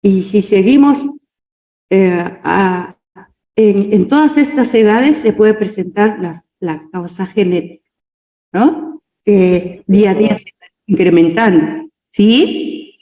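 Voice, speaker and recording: A woman's voice: mid-range voice, slow pace, mellow, echoey room. A woman lecturer dictating a medical class over a video call, checking in with tag questions.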